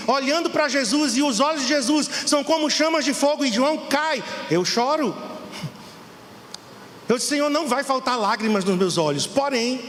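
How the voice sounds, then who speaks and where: A man's voice: very high-pitched, a bit bright, big-room sound, a little hiss or hum. A middle-aged Brazilian man preaching a fervent sermon to his congregation as pastor. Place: church hall.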